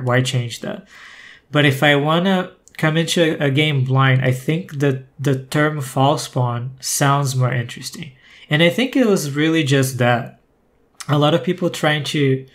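Man chatting on a podcast. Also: mid-range voice. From Brazil. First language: Portuguese. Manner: thoughtful, rambling with frequent restarts. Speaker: guest, former community manager. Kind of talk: casual podcast conversation.

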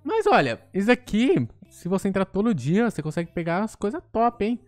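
A man with a Brazilian accent giving live gameplay commentary as a gaming YouTuber, excitable and quick to blurt out interjections. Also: sits high, no room sound, soft background music.

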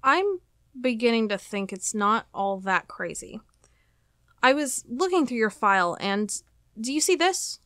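A woman playing a determined, inquisitive FBI agent in an audio drama, speaking in a measured, probing, earnest way. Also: on the high side, very animated, a bit bright, no room sound, studio quality. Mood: intent.

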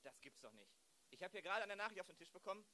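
A man's voice: high-pitched, big pitch swings, rapid-fire, pushed and bright, heavily acted. A man playing an agitated, impatient police chief in an improvised radio play, blustering and stumbling over his words.

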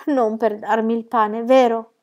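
A woman's voice: a little high, little pitch movement, measured pace, a little mellow, lo-fi sound, voice pushed up. A woman voicing a young, stubborn girl in an audiobook of a children's story. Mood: upset.

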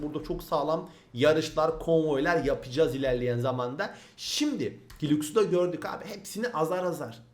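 A young Turkish man giving casual, excitable gameplay commentary as a gaming channel host. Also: a little high, reverberant. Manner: excitable, chatty, says "abi" a lot.

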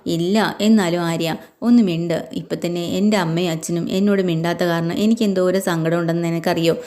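A woman voicing a gentle young wife who pleads softly, in a retold family story. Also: lowish voice, steady tone, a little fast, close to an everyday voice. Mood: pleading.

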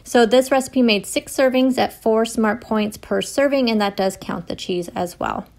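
A woman's voice: fairly high pitch, normal speed, vocal fry. Woman explaining a recipe step by step. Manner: steady step-by-step instructional. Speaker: cooking vlogger. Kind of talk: voice-over cooking tutorial. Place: home kitchen.

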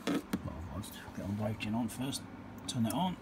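Low-voiced New man, noisy workshop recording. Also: animated, normal speed. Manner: matter-of-fact, thinking aloud in short fragments. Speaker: electronics repairer presenting a repair video. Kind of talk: casual unscripted workbench commentary. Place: indoor electronics workbench.

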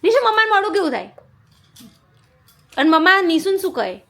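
Faint music plays behind a young mother's very high, sing-song, fairly bright voice, which runs a little fast. A family vlogger, she chats playfully at home and coaxes her toddler with baby talk.

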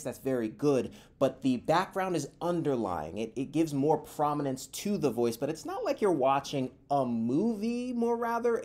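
Animated young man giving casual commentary. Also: medium pitch. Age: young adult. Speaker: voice actor giving advice. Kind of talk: casual commentary reviewing audio demos. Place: bright room at home.

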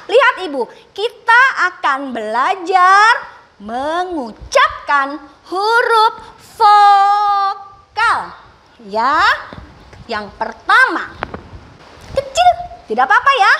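A woman teacher talks to small children, stretching each word with slow, exaggerated care and praising them often. Her voice sits very high and rises and falls a lot. It sounds bright and clear. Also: very animated. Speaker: special-needs schoolteacher. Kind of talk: radio lesson for children.

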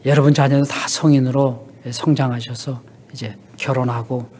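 Husky middle-aged male pastor preaching. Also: mid-range voice, fairly even intonation, normal speed. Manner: peppers speech with a soft affirming "yes". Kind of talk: sermon with storytelling. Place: church.

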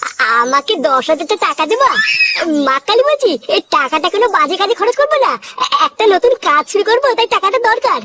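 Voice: very high-pitched, big pitch swings, fairly quick, shouting, noisy background. A voice actor playing a jobless young village man in a cartoon, hesitant and stammering. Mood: pleading. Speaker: cartoon character.

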